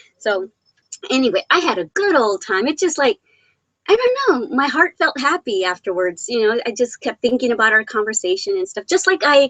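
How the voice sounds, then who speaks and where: A woman with a high pitch and very wide pitch swings speaks in an animated tone at a fairly quick pace, the sound dry and close with no echo. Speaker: vlogger. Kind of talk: live-stream vlog chat. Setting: home, live stream. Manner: fast.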